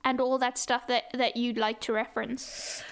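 Clear, higher-voiced woman interviewer. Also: little pitch movement, normal speed, fairly bright tone. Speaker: interviewer and host. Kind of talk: conversational interview hosting.

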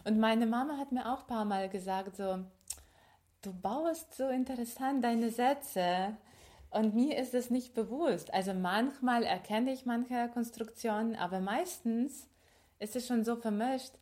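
A woman's voice: on the high side, measured pace, darkish tone. A young woman from Ukraine, co-hosting a podcast in casual conversation, reflective and thinking aloud with fillers and restarts. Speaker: podcast co-host.

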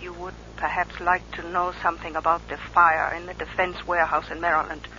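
A woman's voice: on the low side, level tone, brisk, bright, forceful tone. An actress playing a tense, mysterious woman informant in a 1950s radio drama, speaking formally and carefully over the telephone. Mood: guarded urgency. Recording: muffled, noisy 1950s radio telephone call.

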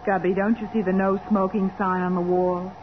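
An actress playing a chipper, observant young detective's assistant, exclamatory, in a 1940s radio drama. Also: female voice, medium pitch, little pitch movement, a little fast, lightly acted. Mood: chatty. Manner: exclamatory, bright-eyed. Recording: tinny, noisy 1940s radio recording.

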